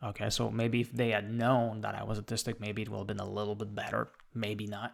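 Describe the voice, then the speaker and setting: The background is completely silent on this very clean recording. A man does the talking. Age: 30s. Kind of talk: casual talk to camera. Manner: hesitant, with many fillers.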